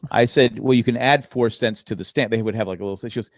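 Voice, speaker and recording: A man co-hosting a relaxed podcast, spinning anecdotes with lively bursts as he acts out the people in his stories. His voice sits at an ordinary middle pitch. The recording is dry and close, with no room sound. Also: fast, no echo. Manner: animated storyteller, acts out customers in raised voices. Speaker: podcast co-host. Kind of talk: casual chat.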